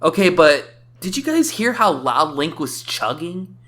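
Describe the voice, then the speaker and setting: A man's voice: on the high side, big pitch swings, a little slow, a bit bright, a little hiss or hum. A man giving scripted comedic commentary as a game reviewer, wry and sarcastic.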